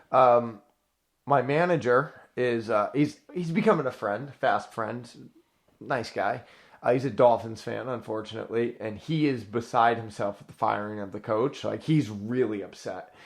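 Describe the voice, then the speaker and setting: A man co-hosting a casual football podcast, telling stories and swearing freely, getting loud and excitable. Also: medium pitch, normal speed. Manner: profane, excitable, tells anecdotes. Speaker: podcast co-host. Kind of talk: casual sports chat.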